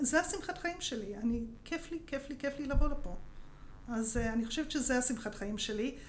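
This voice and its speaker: A woman with a high pitch in a South African accent, at a moderate pace. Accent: South African English accent in Hebrew. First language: English (speaking Hebrew). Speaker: company CEO. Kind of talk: interview.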